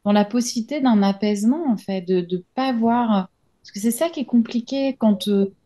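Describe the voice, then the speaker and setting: This interview guest is a journalist and author in her thirties whose first language is French. Her voice is a little high with a dark tone and normal speed, and she muses reflectively, stopping and restarting often.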